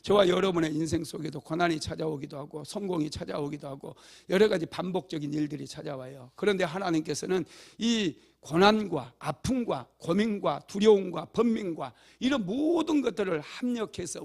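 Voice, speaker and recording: A male pastor preaching a lively sermon in a church, swinging from loud exclamations to quiet asides. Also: high-pitched, creaky.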